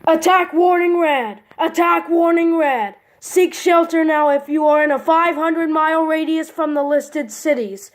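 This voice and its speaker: A woman playing an urgent, commanding nuclear attack warning announcer, loud, insistent and repetitive. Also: high voice, steady tone, unhurried, few pauses, voice pushed up. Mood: urgent alarm.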